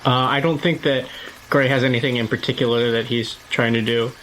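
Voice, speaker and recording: A man's voice: medium pitch, fairly even intonation, fairly quick, a bit bright, a little hiss or hum, poor audio. A man playing a tabletop role-playing game, casually describing what his character does.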